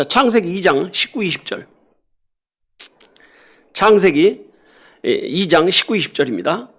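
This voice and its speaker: A middle-aged man preaches from the pulpit of a church in a notably high voice. He is animated and playful, firing questions at the congregation and acting out animal noises and scoldings to make his point. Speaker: pastor. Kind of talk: sermon. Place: church sanctuary.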